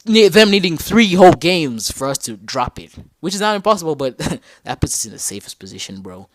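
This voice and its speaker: A young man from Zambia hosting a casual solo football podcast, talking in a slangy, animated way and correcting himself as he thinks aloud. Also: fairly high pitch, a little fast, no room sound. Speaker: podcast host.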